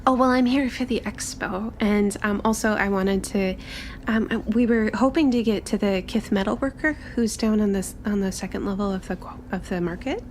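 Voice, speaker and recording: A woman's voice: medium pitch, moderate pace, slight background noise, close to an everyday voice. A woman playing an earnest, well-mannered girl in a tabletop game, speaking in a hesitant, courteous way. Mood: eager, hopeful. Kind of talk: tabletop roleplay.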